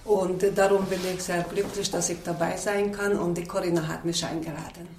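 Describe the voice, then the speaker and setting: A woman's voice: fairly low pitch, steady tone, a little fast, a little mellow, slight background noise. A woman from Hungary, introducing herself as an artist and teacher. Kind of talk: radio interview self-introduction. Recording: roomy echo.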